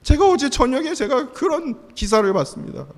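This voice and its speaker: A male pastor preaching a sermon with passion, dropping to a hush and then rising loud, putting questions to his congregation and answering them himself. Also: extremely high pitch, expressive, moderate pace. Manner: impassioned, swings from hushed to loud. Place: church sanctuary. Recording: long church reverb.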